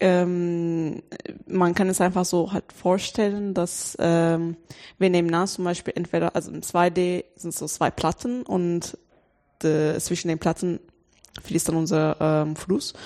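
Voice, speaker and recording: At a very slow pace, a woman with a slight non-native accent speaks in a dark, mellow tone, fairly low in pitch with fairly even intonation, against a quiet background. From Turkey. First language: Turkish (speaking German). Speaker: university student. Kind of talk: casual interview.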